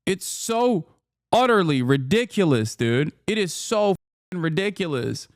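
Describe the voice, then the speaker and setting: A man hosting a livestream, giving sarcastic, profane, animated reaction commentary. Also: high voice, measured pace, no echo, clean studio sound. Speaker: livestream host.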